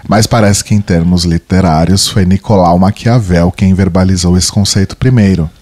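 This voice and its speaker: Deep-voiced man with a cold. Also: normal speed. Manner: playful, chatty, reads at a steady pace. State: has a cold. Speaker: podcast co-host. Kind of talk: casual chat, reading listener emails aloud.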